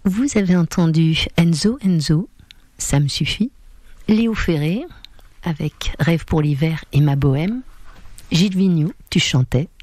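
Mellow-voiced woman radio host signing off. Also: low voice, no echo. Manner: addresses listeners directly, hesitant with pauses. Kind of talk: radio show sign-off. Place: radio studio.

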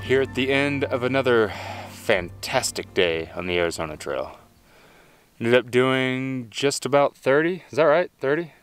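A man, talking casually into a handheld camera outdoors while thru-hiking, upbeat but trailing into low mutters. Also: lively intonation, normal speed, clean tone. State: slightly winded from climbing. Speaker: thru-hiker vlogger. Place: outdoors in open desert. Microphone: handheld camera at arm's length.

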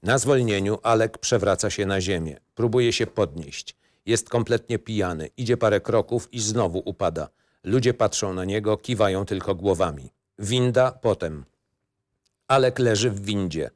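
Low-pitched man reading screenplay directions. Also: normal speed, no echo, studio quality. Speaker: narrator reading stage directions. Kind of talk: scripted narration, screenplay reading.

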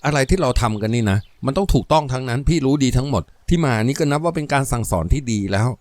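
A man voicing a gentle, charming elder brother in a deep, soft voice. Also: animated, fast talker, no echo, lightly acted. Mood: tender.

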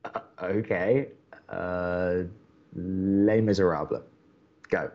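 An actor playing a young, wordy and opinionated college radio co-host in an audio drama, talking in halting conversational bursts. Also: male voice, deep voice, dull audio, exaggerated voice. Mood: reluctant, exasperated. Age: young adult. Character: earnest, exasperated young male college radio co-host, a theatre buff.

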